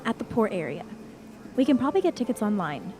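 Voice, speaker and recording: A woman's voice: medium pitch, big pitch swings, fast talker, music in the background, natural voice. A woman playing a practical, matter-of-fact young water nymph in a naturalistic audio drama.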